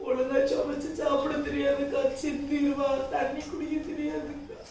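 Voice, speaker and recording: Woman acting a high-voiced, sorrowful devoted mother, echoey. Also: monotone, normal speed, a little mellow. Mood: tearful despair. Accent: southern Tamil Nadu. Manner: tearful lamenting, tender baby talk to her child. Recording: echoey room, distant mic, faint noise.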